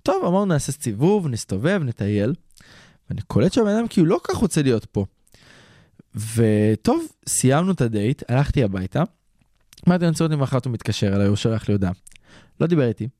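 Young guy, swoopy lively voice, dry close mic. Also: dry recording. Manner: lively, expressive, acts out quotes in a higher voice. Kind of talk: casual chat.

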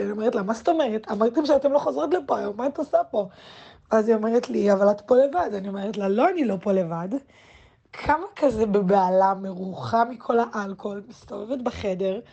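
A woman in her twenties telling a casual personal anecdote as a guest, unhurried and full of hesitant fillers. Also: on the high side, mellow. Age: 20s. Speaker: guest storyteller. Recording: slightly dull lo-fi recording.

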